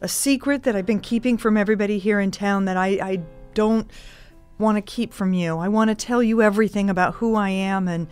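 A woman playing a sweetly awkward secret bounty hunter in an improvised radio drama, speaking politely and haltingly. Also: medium pitch, darkish tone, clear, resonant tone, soft background music, close to an everyday voice. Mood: nervous, confiding.

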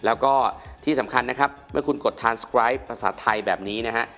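A middle-aged man hosting a casual phone review, animated and exclamatory, speaking straight to his viewers. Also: mid-range voice, normal speed. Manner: animated, exclaims often, addresses viewers directly. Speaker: tech reviewer host.

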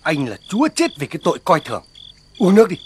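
A man's voice: a little high, huge pitch swings, quick pace, a little mellow, slight background noise. An actor playing a smug, scheming older village man who speaks with contempt in a TV drama. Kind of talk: TV drama acting.

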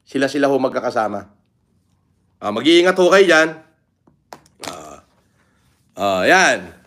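A man's voice: mid-range voice, very animated, unhurried, a bit bright. A middle-aged man talking bluntly on a casual livestream, swearing openly and reading out viewer comments. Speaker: livestream vlogger.

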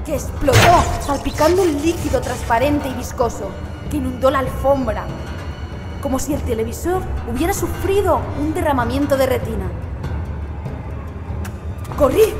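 A woman narrating a first-person horror story in a theatrical, intense, dramatic manner. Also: high-pitched. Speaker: audiobook narrator. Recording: echoey long reverb, music behind. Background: music.

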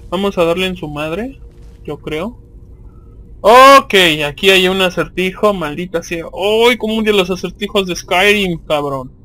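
A man's voice: high voice, animated, unhurried, pushed and bright. A man with a Mexican accent giving casual, slangy, profanity-laced commentary as he plays a video game.

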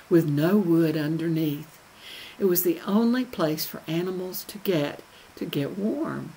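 Older Southern woman presenter, low and unhurried, webcam sound with faint hiss. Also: creaky, poor audio. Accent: Southern American, softened by radio speech training. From American South. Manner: slow, careful endings, gently humorous. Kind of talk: folksy history talk to camera. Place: wood-panelled room indoors. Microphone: webcam on a video call.

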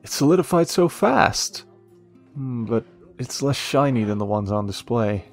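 A man's voice: mid-range voice, animated, a little slow, faint music behind. A man acting as an earnest, protective young café trainee in an audio roleplay, casual and a little hesitant. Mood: curious, amused. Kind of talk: intimate first-person audio roleplay.

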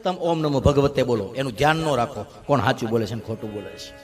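Man, devotional sermon storytelling, animated and rhythmic, chants verses, guitar music behind. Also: medium pitch, quick pace, in a large hall. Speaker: religious storyteller.

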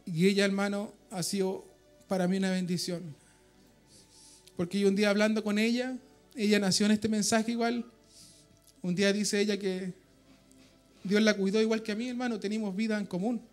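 In a church meeting room, a high-voiced man with a Chilean accent gives an emotional, fervent testimony to the congregation, often addressing his brothers in faith. He speaks at a moderate pace in a level tone, pausing often, with soft music playing behind him.

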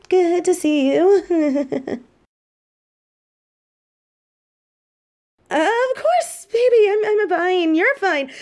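Audio roleplay: actress as female crime boss, short-fused and sardonic with a soft side, measured pace, very expressive pitch. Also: heavily acted. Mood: flustered, tender. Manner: dry, threatening, sarcastic, dramatic sighs. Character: hot-tempered, sarcastic female mafia boss with a soft side. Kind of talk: scripted audio roleplay acting.

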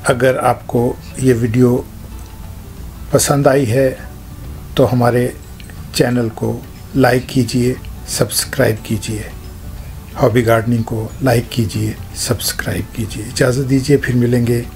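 A man hosting a gardening channel, explaining plant care in short, halting phrases while showing things by hand. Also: mid-range voice, level tone, a little mellow, soft background music. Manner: shows things hands-on while talking.

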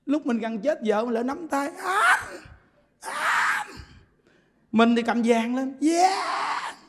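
A man gives a Buddhist sermon in a very high voice. He tells stories in an animated way and keeps breaking into laughter. Long reverb from a large hall trails after his words. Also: moderate pace. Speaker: Buddhist preacher.

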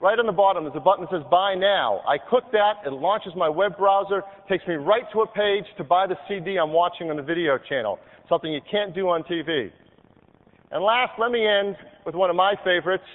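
A man giving an upbeat live software demo on a conference stage, clicking through features as he talks. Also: sits high, fairly quick. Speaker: product demonstrator on stage. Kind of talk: live keynote product demo. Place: large convention hall stage. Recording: tinny, hall-reverb archive video of a keynote.

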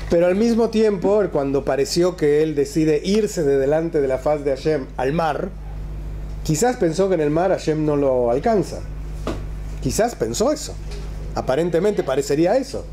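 In a small indoor classroom, a rabbi teaches a religious text in a conversational style, full of rhetorical questions and emphatic repetition. His voice sits on the high side and sounds mellow, against slight background noise.

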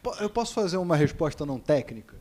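A man, his voice a touch high and mellow, answers as an invited expert in a legislative hearing room. He speaks plainly and leans on rhetorical questions. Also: very animated, fast. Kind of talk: spontaneous committee speech.

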